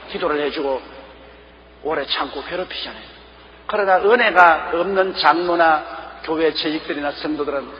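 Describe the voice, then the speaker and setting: Older Gyeongsang-accented pastor, high voice. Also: male voice. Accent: Gyeongsang Korean. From Gyeongsang region, Korea. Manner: animated preaching with sudden loud and soft swings. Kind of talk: sermon. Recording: reverberant hall, dull lo-fi sound.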